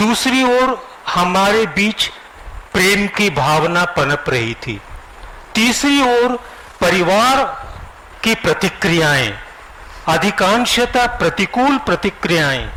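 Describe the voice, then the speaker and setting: Over noticeable background noise, a man uses a raised, projected voice at a high pitch, with very wide pitch swings but very even loudness. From Andhra Pradesh, India. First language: Telugu (speaking Hindi). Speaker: writer. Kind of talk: interview.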